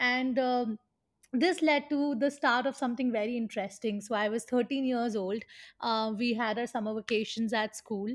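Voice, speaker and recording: A woman with an Indian accent speaks in a high pitch with fairly even intonation. Her pace is moderate, and the recording is very clean with a silent background. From India, Mathura, western Uttar Pradesh. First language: Hindi. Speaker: social entrepreneur. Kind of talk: interview.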